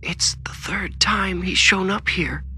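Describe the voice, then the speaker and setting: A man voicing a frightened older mother in an audiobook, tearful and pleading, with a trembling, halting, often whispering voice. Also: high-pitched, pushed and bright, faint music behind, voice pushed up, full character voice. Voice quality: trembling, breathy voice. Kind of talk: audiobook character voice.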